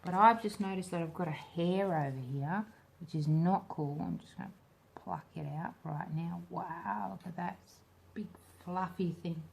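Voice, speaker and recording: A woman with a slight smoker's rasp hosting a casual hands-on craft tutorial, thinking aloud informally as she works. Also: lowish voice, a little slow, a little mellow, a little hiss or hum. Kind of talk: casual hands-on demo chat.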